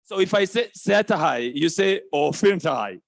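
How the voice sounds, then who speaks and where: Playful high-voiced male event host. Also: expressive, moderate pace, vocal fry, no echo, studio quality. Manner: playful, repeats phrases to the crowd, laughs often. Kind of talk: lively crowd interaction. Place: conference hall stage.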